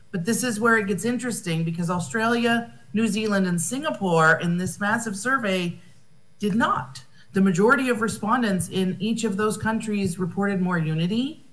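American woman on a video call, lowish voice, talks it through, rephrases a lot. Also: fairly bright tone. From United States. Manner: thoughtful, rephrasing often, with fillers. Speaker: conference speaker. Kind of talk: academic conference talk.

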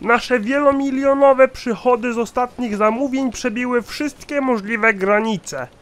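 A man's voice: very high-pitched, measured pace, fairly bright tone. A man voicing a shady, dim-witted chief accountant in a satirical cartoon, officious and formal. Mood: proud, officious.

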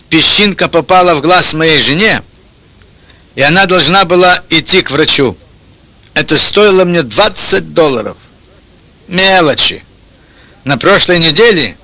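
Bright, forceful man telling jokes. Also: on the high side, dry recording. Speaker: joke teller. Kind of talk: telling short jokes and anecdotes. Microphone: handheld-type microphone held close, headphones on.

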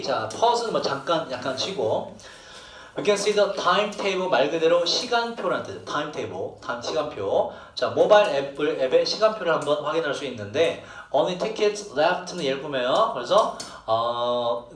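A male English teacher walks through test phrases in Korean and repeats the key words for the class. His slightly high voice sounds echoey and set back from the mic, with a faint hiss behind it. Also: distant mic. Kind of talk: exam listening lesson.

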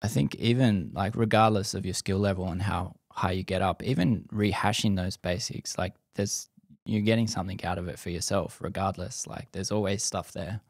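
A man's voice: sits low, fairly even intonation, moderate pace, no room sound, clean studio sound. A man in his thirties, a photographer, talking as a guest on a podcast, thoughtful and filling his speech with likes. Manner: thoughtful, many likes and restarts. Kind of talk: casual podcast interview. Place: dim studio set. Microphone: boom-mounted studio mic.

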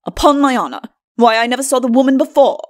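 A woman's voice: high-pitched, lively intonation, quick pace, no room sound, clean studio sound, pitched above the performer's own voice. Woman doing a blustering skeleton lord. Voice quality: rough. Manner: blustering, indignant, muddled. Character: pompous aching skeleton lord, blustering old drunk.

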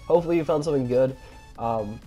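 A young man with a cold, stuffed up and nasal, commentating his own gameplay and pausing for breath, with excited outbursts. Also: mid-range voice, muffled recording, soft background music. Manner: nasal, pauses for breath mid-sentence; excitable exclamations during fights. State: congested from a cold. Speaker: gaming channel host.

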